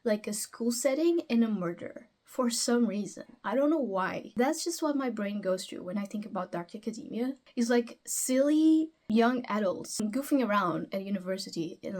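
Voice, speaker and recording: A woman's voice: medium pitch, darkish tone. A young woman, a book vlogger talking casually at home, chatty and rambling, often questioning herself aloud.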